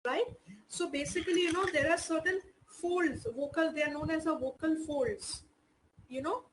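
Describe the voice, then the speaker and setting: A woman with Indian English speech teaches an online lesson in a high voice. She explains patiently and fills her sentences with "you know". Faint noise sits under the recording. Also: fairly even intonation, moderate pace, low-quality recording.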